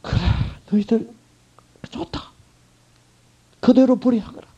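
A man's voice: very high-pitched, steady tone, extremely slow, dark tone, slightly rough, voice pushed up, exaggerated voice. Man voicing God, grieving and resigned. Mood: sorrowful. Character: grieving God letting sinners go. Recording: muffled lo-fi recording.

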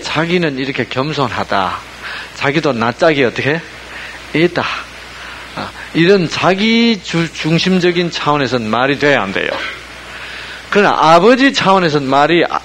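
A pastor delivers an animated sermon in a slightly high voice at an unhurried pace, constantly posing rhetorical questions to the congregation and answering them himself in call-and-response fashion. The recording is low quality with slight background noise.

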